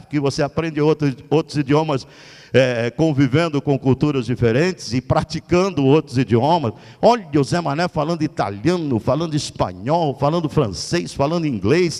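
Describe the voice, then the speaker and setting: Middle-aged Brazilian male speaker with a fairly high voice, animated storytelling that acts out dialogue, long echo of a lecture hall. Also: creaky. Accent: Brazilian Portuguese. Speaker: journalist giving a lecture. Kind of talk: lively storytelling talk.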